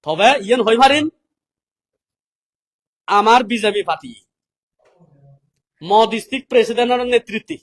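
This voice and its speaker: Male political speaker, South Asian accent, notably high-pitched, delivering a deliberate, explanatory public address. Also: animated. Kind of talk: public address, reading English passages and explaining them.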